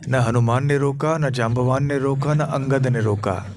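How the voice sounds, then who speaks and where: A monk preaching at a temple, telling a sacred story in a slow, measured voice. He speaks gently and pauses to search for words. A light hiss of noise sits behind him. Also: medium pitch. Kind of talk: sermon storytelling. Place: temple on a pilgrimage tour.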